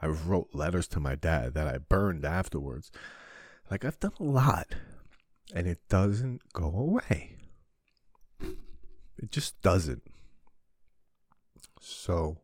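A man hosting a podcast, crying as he opens up in a halting monologue, swearing often and restarting his sentences. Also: low-pitched, expressive, a little mellow, husky, dry recording, studio quality. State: crying, sniffling. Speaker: podcast host. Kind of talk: emotional confessional monologue.

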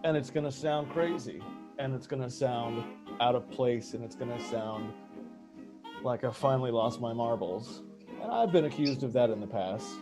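An actor playing a frightened, rambling man who confides in his therapist, earnest, halting and stammering. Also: mid-range voice, lightly acted. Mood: anxious. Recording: music behind the voice.

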